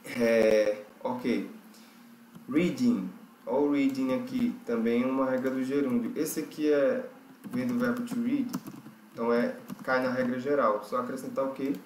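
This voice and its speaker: A man's voice: mid-range voice, fairly even intonation, measured pace, a little mellow. A man teaching English grammar in a recorded lesson, patiently explaining exercises and often checking understanding. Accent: Brazilian Portuguese. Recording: echoey room, faint noise.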